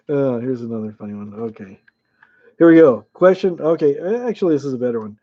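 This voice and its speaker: A man's voice: medium pitch, expressive, brisk, highs cut off. A man casually hosting a live-chat trivia game, chuckling often and reading viewers' names aloud.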